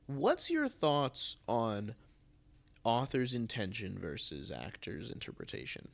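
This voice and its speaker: Male podcast host, conversational and animated, with widely swinging intonation and frequent restarts. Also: mid-range voice, takes it slowly, creaky. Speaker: podcast host, theatre producer.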